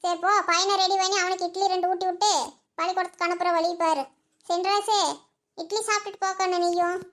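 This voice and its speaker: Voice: extremely high pitch, level tone, fairly quick, fairly bright tone. A voice actor playing a bossy, scolding old village mother-in-law in a cartoon. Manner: scolding, nagging. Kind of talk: cartoon voice acting.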